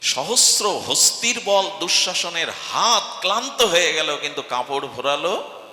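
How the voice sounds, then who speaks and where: A man's voice: fairly high pitch, sing-song, unhurried, pushed and bright. A man giving a devotional sermon, telling stories and asking rhetorical questions. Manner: storytelling, asks rhetorical questions. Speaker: preacher. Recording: echoey hall.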